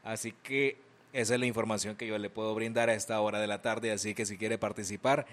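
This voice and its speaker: A man's voice: fairly low pitch, fairly even intonation, fast talker, a bit bright. A young Salvadoran man hosting an afternoon radio show, chatting, reading listener greetings and ads while fighting a cold and sore throat. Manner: chatty, self-joking, reads listener messages. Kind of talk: casual radio chat and read ads. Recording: radio broadcast with music behind.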